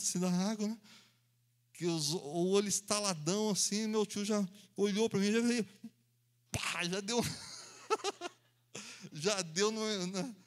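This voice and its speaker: A man, preaching in an animated storytelling style, acting out voices and sounds and laughing along as he goes. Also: high voice. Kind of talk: storytelling sermon.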